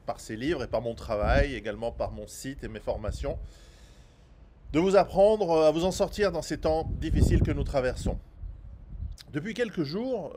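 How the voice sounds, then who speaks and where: A man who is not a native French speaker, hosting a survival commentary video and talking straight to the viewer in a rambling, animated way with many restarts and sarcastic asides. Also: medium pitch. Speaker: survival author and video host. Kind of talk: direct-to-camera commentary.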